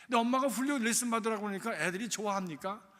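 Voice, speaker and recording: A man pastor telling a story in a sermon, with emotive swings in loudness. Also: high-pitched, racing, big-room sound. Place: church sanctuary.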